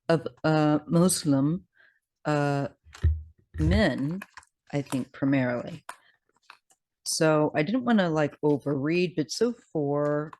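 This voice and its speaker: A tarot reader with a scratchy voice, talking casually and haltingly, unscripted, sometimes reading aloud. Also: medium pitch, a little mellow. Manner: hesitant, halting delivery. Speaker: tarot card reader host.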